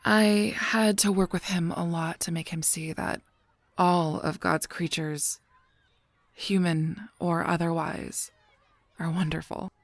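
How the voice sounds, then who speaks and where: A woman acts as a gentle but guarded female angel in an audio drama. The voice is low and husky with a gravelly creak, often sinking near a whisper. The delivery is measured, halting and solemn, recorded very dry and close. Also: fairly even intonation, no echo. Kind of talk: scripted audio roleplay drama.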